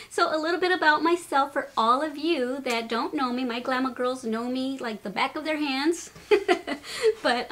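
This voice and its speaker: Lady in her late 40s, kinda high voice, chatty and sweet like talking to grandkids, laughs a lot. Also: fairly bright tone. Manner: chatty, laughs often, speaks slowly and sweetly to kids. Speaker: channel host. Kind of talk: warm casual talk to young children. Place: home room with a wall of books.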